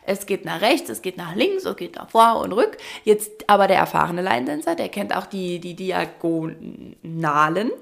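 Gravelly, animated young woman storyteller. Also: medium pitch, a little fast, few pauses. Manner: lively storytelling, acts out quotes. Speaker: podcast co-host. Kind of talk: casual chat.

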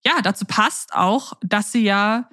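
A woman co-hosting a podcast, leading the talk with questions in an articulate, lively way. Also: mid-range voice, unhurried. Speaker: podcast co-host. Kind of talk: casual podcast chat.

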